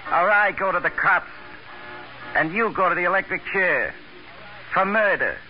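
An actor playing a shifty, slangy little blackmailer, menacing and tough, in a 1940s radio crime drama. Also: male voice, sits high, normal speed, faint music behind, lightly acted. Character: shifty-eyed little crook, menacing small-time blackmailer. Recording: dull 1940s radio recording.

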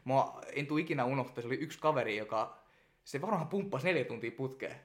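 A young man chatting casually as a guest, telling animated stories full of laughter and fillers. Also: medium pitch. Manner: animated storyteller, laughs often, many fillers. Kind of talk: casual chat.

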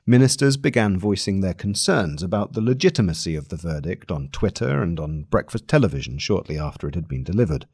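A man narrates long-form journalism in a very low voice. His phrasing is measured and deliberate, with a slightly husky edge to the sound. The recording is dry and close, with little room in it. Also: animated, darkish tone, no echo. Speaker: narrator reading a long-form newspaper article aloud.

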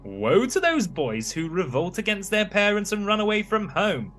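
An old, wise talking cricket from a storybook acted by a man, pitched up from normal speech. It preaches patiently and draws out its warnings with lively swoops, over faint music. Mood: stern, warning. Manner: slow, moralizing, drawn-out warnings.

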